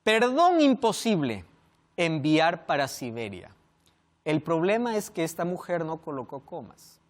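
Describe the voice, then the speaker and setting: A man preaching a sermon, asking rhetorical questions and swinging from loud emphasis to hushed endings. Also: a little high, very animated, a little slow.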